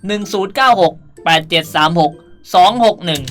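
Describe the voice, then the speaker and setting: A woman's voice: fairly low pitch, animated, a little fast, a bit bright. A woman hosting a casual game tutorial in a playful, chatty way with cutesy sentence endings. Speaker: gaming video host. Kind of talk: casual game tutorial commentary, reading out item codes. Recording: music under the voice. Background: background music.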